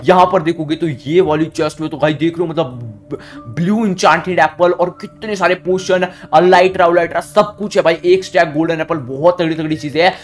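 Young man, Minecraft commentary, excitable, sudden pitch jumps, fairly high voice, clear music behind. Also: fairly quick. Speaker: gaming YouTuber.

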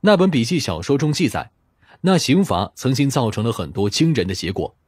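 Expressive, slightly husky male storyteller. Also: mid-range voice, a little fast, no echo, studio quality. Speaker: audiobook narrator. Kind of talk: scripted audiobook narration of a crime novel. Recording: music playing behind the voice. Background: background music.

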